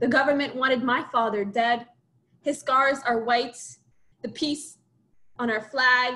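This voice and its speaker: A woman projects a raised voice with a high pitch at a moderate pace. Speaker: poet. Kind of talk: panel discussion. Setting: video call. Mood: earnest, serious. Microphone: video call.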